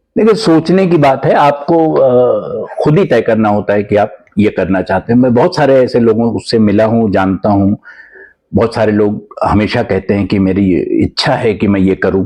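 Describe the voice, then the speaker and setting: Here a man has an ordinary speaking voice at medium pitch, with very even loudness throughout. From India, Ayodhya region. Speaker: journalist and author. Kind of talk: interview.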